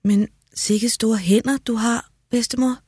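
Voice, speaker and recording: A man voicing the innocent little girl Red Riding Hood in a storybook reading, in a high, soft, childlike tone. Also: steady tone, husky, dry recording, studio quality. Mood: wondering.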